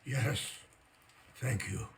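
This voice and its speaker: An actor playing a dignified, gentle older Native American chief in a dramatic game, speaking in a measured, solemn way. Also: male voice. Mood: solemn, grateful.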